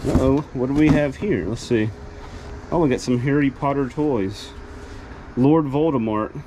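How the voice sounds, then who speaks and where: An easygoing man talks through what he finds as he digs through boxes in a storage container. His voice sits at an ordinary middle pitch. A clear hiss of noise runs under the body-cam recording. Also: a little slow. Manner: easygoing, thinking aloud while sorting. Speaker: storage auction reseller. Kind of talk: casual unboxing commentary. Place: inside a storage container outdoors. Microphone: body-worn camera. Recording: noisy handheld outdoor recording.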